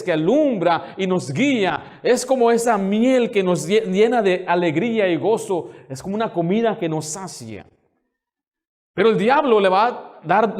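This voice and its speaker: Male pastor with a high voice preaching a fiery sermon, scolding and full of rhetorical questions. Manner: indignant, scolding.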